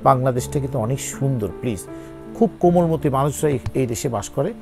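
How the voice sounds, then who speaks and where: A man's voice: mid-range voice, lively intonation, a little fast, gravelly, soft background music. A male actor, talking as an interview guest in an earnest, emphatic, pleading way. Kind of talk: interview conversation.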